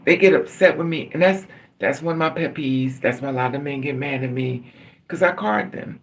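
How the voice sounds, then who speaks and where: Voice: mid-range voice, moderate pace. A middle-aged livestream host chatting casually and candidly with viewers, laughing often and calling on them by name.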